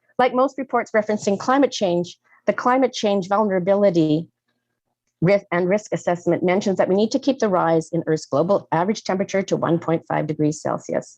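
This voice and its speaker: A plain, everyday voice with lively intonation, very even loudness and a fairly quick pace, in a dry, close sound with no echo. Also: woman, medium pitch for a woman. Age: 60s. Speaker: public delegate at city council committee. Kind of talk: prepared public statement. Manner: formal.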